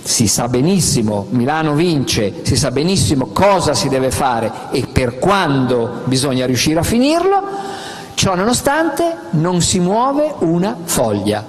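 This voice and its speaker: A middle-aged man presenting his book on a festival stage into a handheld microphone, animated and gesturing, with frequent fillers. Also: fairly high pitch, in a large hall, low-quality recording. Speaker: author at a book talk. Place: outdoor festival stage with audience.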